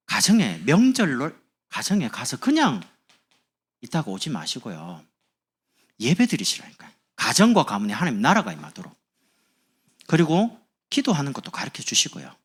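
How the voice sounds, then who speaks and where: A man's voice: medium pitch, a bit bright, slightly rough. A man preaching as a pastor, speaking in a chatty, humorous sermon to his congregation in a church. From Busan, South Korea. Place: church sanctuary.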